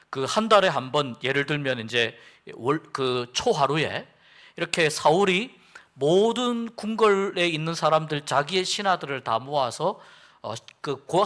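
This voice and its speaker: A man's voice: medium pitch, fairly bright tone. A male pastor giving a midweek sermon in church, retelling a Bible story in plain everyday words. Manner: storytelling, explains by retelling and paraphrasing. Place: church worship service.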